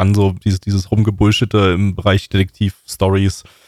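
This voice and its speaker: A man with an ordinary speaking voice speaks at a moderate pace and fairly low pitch. The sound is dry and close, with no echo. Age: 30s. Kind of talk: casual chat.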